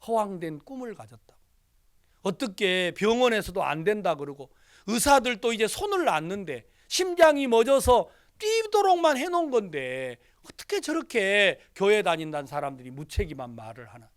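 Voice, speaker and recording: A man's voice: high voice, very animated, moderate pace. A male pastor telling a story in a sermon, emphatic, acting out the dialogue as he goes.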